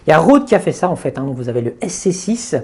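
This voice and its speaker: A man's voice: on the high side, very animated, quick pace, husky. Chatty man demonstrating audio gear. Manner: chatty, hesitant, many fillers and restarts. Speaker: video tutorial host. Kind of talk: casual hands-on gear demo.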